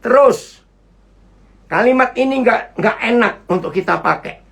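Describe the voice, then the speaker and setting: A man's voice: very high voice, expressive, a little slow, vocal fry, fairly bright tone. A man preaching a sermon over a video call, chatty, asking his listeners questions and greeting viewers as they join. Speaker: pastor. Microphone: computer mic on a video call.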